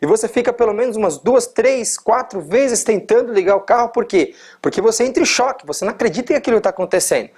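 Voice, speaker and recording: A man giving an informal explanatory talk, animated, acting out everyday scenarios and often adding tag questions. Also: sits high, fast, few pauses, slightly rough. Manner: frequent tag questions and fillers. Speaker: presenter of a talk series.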